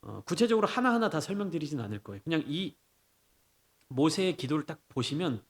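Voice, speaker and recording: A man preaching a sermon as pastor, explaining step by step, asking rhetorical questions, and rising to emphatic peaks before dropping to soft asides. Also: a little high, a little fast. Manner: animated preaching, swings between raised emphatic lines and soft drops.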